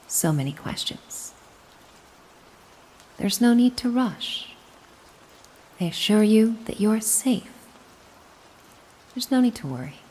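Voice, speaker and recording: A woman playing a gentle, doting, mysterious caretaker in a soothing hypnosis roleplay, coaxing and reassuring the listener. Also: medium pitch, slight background noise. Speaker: hypnosis audio performer.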